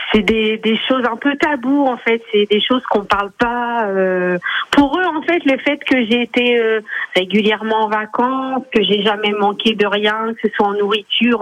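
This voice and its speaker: A woman in her forties calling a radio show, telling her story with many hesitations over a phone line. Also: on the high side. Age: 40s. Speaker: caller. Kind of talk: personal testimony on radio.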